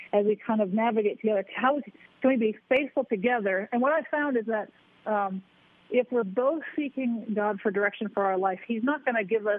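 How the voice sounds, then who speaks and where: A woman speaks at a fairly quick pace in an ordinary speaking voice, her pitch fairly high. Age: middle-aged. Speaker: author and ministry leader. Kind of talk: radio interview.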